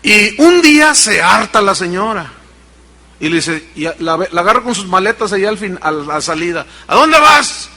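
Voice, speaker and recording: A man preaching a sermon, an animated storyteller who acts out voices. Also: high-pitched, moderate pace, in a large hall. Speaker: pastor.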